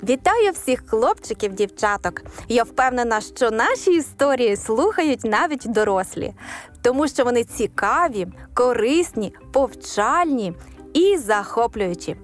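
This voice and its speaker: A woman tells a children's story for a radio program, her voice sitting a little high. She narrates with expression and slips into the characters' lines. Faint music plays underneath.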